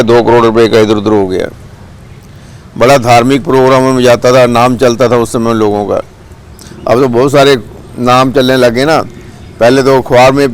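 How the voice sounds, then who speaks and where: Brief: Punjabi-accented man, casual vlog monologue, blunt and scolding. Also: mid-range voice. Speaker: vlogger. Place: outdoors with birds and a cat nearby.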